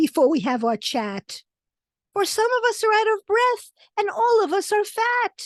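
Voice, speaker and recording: Using a put-on character voice, a woman sounds squeaky at an extremely high pitch with lively intonation. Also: moderate pace. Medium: read story.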